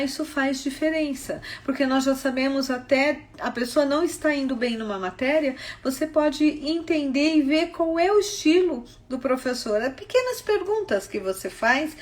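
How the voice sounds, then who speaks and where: A woman's voice: high voice, animated, moderate pace, hardly any pauses. A woman with a Brazilian Portuguese accent giving a live-streamed teaching talk on vocational guidance. She explains step by step and keeps checking in with her listeners. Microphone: phone on a social media live stream.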